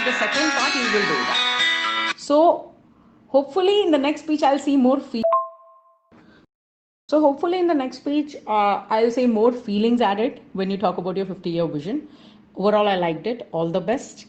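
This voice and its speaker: Indian woman giving a measured evaluation. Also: sits high. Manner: measured, structured, emphatic on key points. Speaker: speech evaluator. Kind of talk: recorded speech evaluation.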